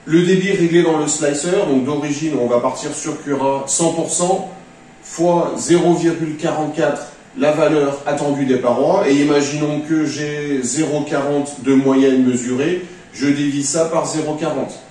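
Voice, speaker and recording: A man's voice: fairly high pitch, fairly even intonation, moderate pace, warm tone. A man presenting an informal spoken tutorial, explaining things in a practical, step-by-step way. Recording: very echoey room, distant mic, faint noise.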